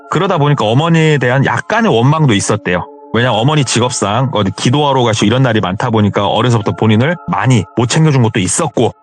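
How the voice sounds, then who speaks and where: Lively male ghost-story teller. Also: mid-range voice. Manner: conversational, animated retelling. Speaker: guest storyteller. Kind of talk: spoken ghost-story telling.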